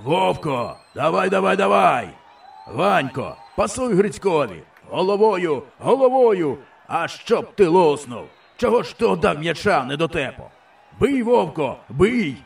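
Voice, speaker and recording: A man reading an audiobook, voicing an excited old village man who shouts at a football match. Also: mid-range voice, moderate pace, vocal fry, hardly any pauses, slightly rough. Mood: yelling excitedly. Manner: shouting, urging players on.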